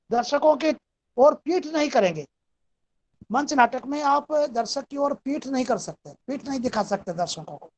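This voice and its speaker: Brief: female lecturer, high voice, calm and methodical, walks students through each point of a recorded class. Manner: explanatory, steady and methodical.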